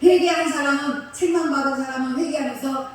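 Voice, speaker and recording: A woman pastor speaks fairly quickly in a high, steady voice, telling a chatty, colloquial story during her sermon and sharing laughs with the congregation. The church sanctuary recording sounds like an echoey hall heard from far off.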